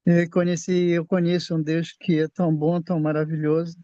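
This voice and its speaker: Brazilian man, 60s, earnest faith testimony, halting speech with restarts; fairly high, flat voice, dry dull recording. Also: no room sound. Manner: halting, repeats and restarts words. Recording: dull lo-fi sound.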